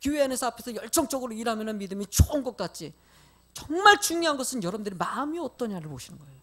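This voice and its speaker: Man, middle-aged pastor, sermon, animated, swooping intonation, asks the congregation questions. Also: very high voice, very fast. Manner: folksy storytelling with light humor.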